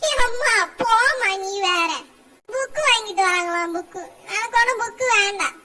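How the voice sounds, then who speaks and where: A woman's voice: very high voice, normal speed, pushed and bright. Woman voicing a sulky cartoon village girl. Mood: whiny. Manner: complaining, dramatic sulking. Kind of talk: cartoon voice acting.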